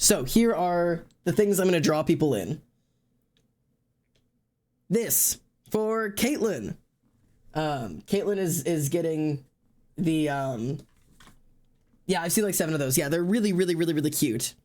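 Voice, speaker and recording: An excitable streamer and artist chatting casually on a live stream. The talk rambles, full of restarts and offhand swearing, at an ordinary middle pitch. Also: a little slow, pauses often. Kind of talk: casual chat.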